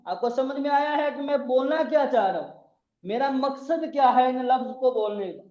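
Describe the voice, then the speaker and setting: High-voiced man teaching grammar in echoey room. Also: moderate pace. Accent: Pakistani Urdu. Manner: repetitive, spells out words letter by letter. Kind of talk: classroom lecture. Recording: echoey room, dull lo-fi sound.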